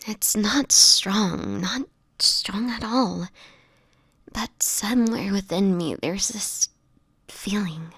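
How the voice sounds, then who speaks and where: Frail breathy vampire woman, slow and halting, acted by a woman. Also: mid-range voice, a bit bright, dry recording, heavily acted. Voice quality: breathy, whispery. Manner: halting, hesitant, fragile delivery. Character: sickly, gentle homeless woman turning vampire, pleading and ashamed. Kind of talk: intimate audio roleplay monologue.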